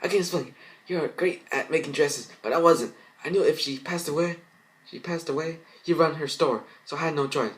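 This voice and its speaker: A man's voice: fairly high pitch, normal speed, fairly bright tone, pitched above the performer's own voice, natural voice. A man voicing a jealous, greedy young woman, pleading frantically in an amateur story reading. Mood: desperate, defensive. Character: jealous, greedy young female best friend turned arsonist.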